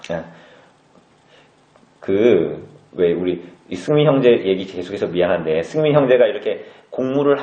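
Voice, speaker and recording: A pastor preaching a conversational sermon, often putting questions to the congregation. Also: male voice, mid-range voice. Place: church hall. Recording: echoey, dull church recording.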